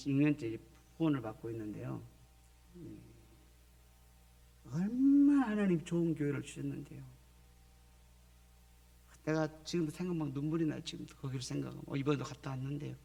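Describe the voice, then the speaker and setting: A man's voice: medium pitch, gravelly, a little mellow. A middle-aged male missionary from the Jeolla region preaching in a church, telling his story with acted-out phone calls. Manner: storytelling, acting out phone calls in other voices. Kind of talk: sermon testimony. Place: church sanctuary.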